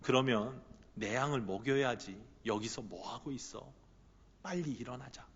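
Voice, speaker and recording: A man preaching a sermon, voicing a risen teacher who gently and insistently urges his disciple to get up. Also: high-pitched, normal speed. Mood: tender coaxing. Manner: intimate pleading turning to rousing calls. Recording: echoey church hall, slightly muffled.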